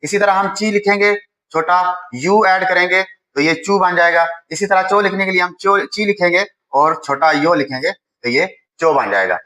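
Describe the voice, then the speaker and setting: Bright-voiced Pakistani Urdu-speaking teacher. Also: male voice, high-pitched, moderate pace, poor audio. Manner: patient, step-by-step explaining. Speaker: Japanese language teacher. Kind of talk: whiteboard writing lesson.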